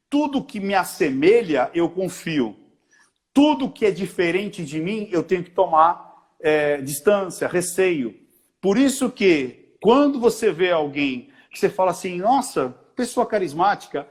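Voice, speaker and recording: A man with a Brazilian accent, a body-language expert explaining things in a conversational interview and acting out little quoted dialogues. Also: sits high.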